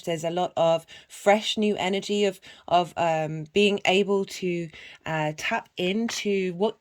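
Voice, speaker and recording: A woman talks through a tarot spread in a relaxed, reflective way, often pausing and restarting her thoughts. Her voice sits a little low and sounds husky, as she is getting over a cough. She speaks casually, as if to viewers of her channel. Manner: reflective, halting with many fillers and restarts. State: hoarse from a cough. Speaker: tarot reader. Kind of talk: casual spoken tarot reading.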